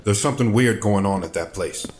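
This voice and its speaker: An actor playing a stubborn, frustrated police officer with a gruff way of talking in an audio drama. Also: male voice, on the low side, brisk, faint music behind, natural voice. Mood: indignant. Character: stubborn, frustrated male police officer, protective of troubled kids. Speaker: police detective.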